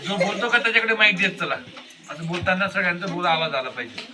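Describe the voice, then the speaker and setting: A man's voice: high-pitched, fast talker, echoey room. A man, a teacher directing a children's play, prompting the young actors from off the microphone. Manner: prompting, instructive, half-amused. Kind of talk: offstage coaching during a school play. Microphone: off-mic, away from the microphone. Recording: distant voice amid a noisy crowd.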